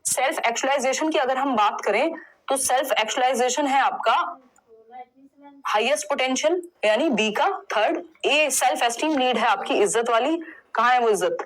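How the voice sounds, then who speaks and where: A woman's voice: high-pitched, moderate pace, a little hiss or hum, rough recording. A young woman teaching an exam-prep lesson in a conversational, reassuring way, mixing English terms into her speech. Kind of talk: online lesson, explaining test answers.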